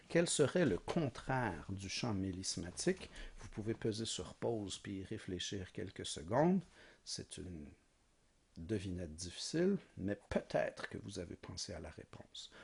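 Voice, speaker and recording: A man's voice: fairly low pitch, sing-song, measured pace, vocal fry, slightly rough. A man giving a recorded music history lecture, explaining patiently, asking rhetorical questions and singing short examples.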